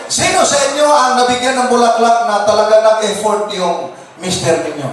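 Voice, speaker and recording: A man's voice: high voice, normal speed. A male pastor gives a humorous sermon, joking with the congregation, laughing often, and dropping English words into his talk. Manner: jokes with the crowd and laughs often; keeps addressing the listeners as brothers and sisters. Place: church. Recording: very echoey church from a distance, noisy.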